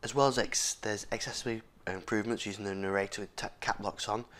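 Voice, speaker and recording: A man's voice: on the low side, steady tone, quick pace, fairly bright tone. A man with a scratchy, sore voice, casually hosting a tech walkthrough with frequent fillers and restarts. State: hoarse, sore throat. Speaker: tech video host. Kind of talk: casual screen-recorded walkthrough.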